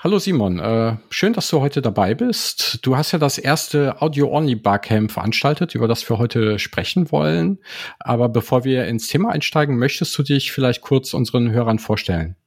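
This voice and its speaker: A man's voice: mid-range voice, animated, moderate pace, vocal fry. A man hosting a podcast, introducing his guest and asking questions in a friendly, slightly hesitant way. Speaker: podcast host. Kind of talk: interview hosting.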